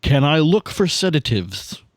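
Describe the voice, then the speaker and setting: A man's voice: a little high, very animated, unhurried, no room sound, clean studio sound. A man chatting casually as a player in a tabletop roleplaying game, thinking aloud and repeating himself.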